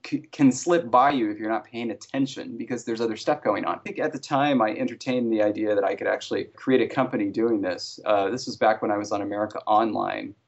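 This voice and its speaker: A man as an interview guest, talking in a relaxed, chatty way with wry jokes. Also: lowish voice, quick pace, creaky, few pauses. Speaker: interview guest, language creator. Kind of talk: casual interview conversation. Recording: slightly dull lo-fi audio.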